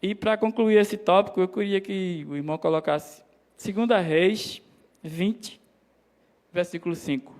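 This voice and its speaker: A man preaching a sermon in a church, calling the listeners his brothers and voicing God's words in a lower tone. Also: a little slow, darkish tone. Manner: addresses congregation as brothers, quotes God in a lowered voice.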